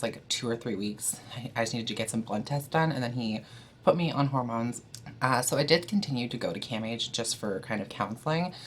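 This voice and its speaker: A young trans woman from Canada vlogs casually to the camera in a rumbling low voice, candid and easygoing, with plenty of fillers. The recording has a faint hiss or hum.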